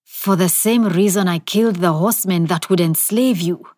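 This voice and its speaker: A woman's voice: on the low side, moderate pace, darkish tone, no echo, clean studio sound, lightly acted. A woman voicing an ancient nameless spirit. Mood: menacing. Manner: whispering, roaring, menacing. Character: ancient nameless male spirit, hateful and mocking.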